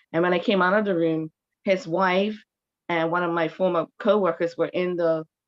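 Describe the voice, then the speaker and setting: A woman's fairly low-pitched, ordinary speaking voice at a moderate pace, with fairly even intonation. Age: 60s. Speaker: breast cancer survivor, retired medical office worker. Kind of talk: testimony.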